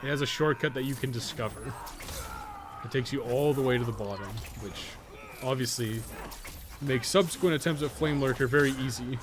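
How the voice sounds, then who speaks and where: A man's voice: mid-range voice, moderate pace. A man giving casual live gameplay commentary, thinking aloud in a rambling way and swearing casually. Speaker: podcast co-host and game guide writer.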